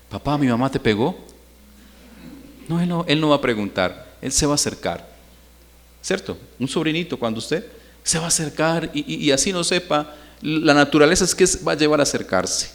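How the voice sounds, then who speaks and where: A man's voice: mid-range voice, a bit bright. Man preaching to his congregation. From Colombia. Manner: conversational preaching, asks the congregation questions. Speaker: pastor. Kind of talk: sermon. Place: church.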